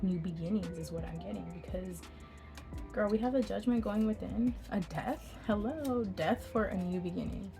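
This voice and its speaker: A woman's voice: mid-range voice, warm tone. A woman doing a casual pick-a-card tarot reading, chatty and bubbly, laughing often and filling her talk with "like.".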